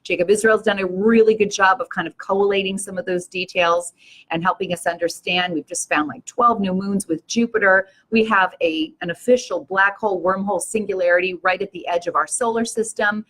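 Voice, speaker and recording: A woman's voice: medium pitch, fairly quick, fairly bright tone. An older woman hosting her own show, talking earnestly and with passion to her viewers in a preachy, rousing way. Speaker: show host. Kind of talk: live-stream talk to viewers.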